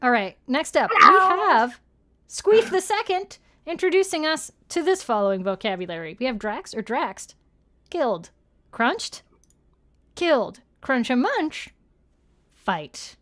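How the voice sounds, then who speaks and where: Woman cohosting a live stream, kinda high voice, slangy playful chat. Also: very animated, unhurried, sharp tone. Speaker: show co-host. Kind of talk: casual banter on a live show.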